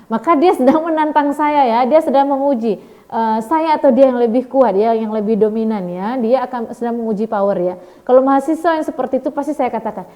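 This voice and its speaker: A woman lecturer explaining observation methods in a recorded video lesson, often adding "ya" and acting out short classroom exchanges. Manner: explanatory, acts out little classroom dialogues with lively pitch jumps; frequent tag "ya" and Indonesian-English code-switching. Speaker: university lecturer.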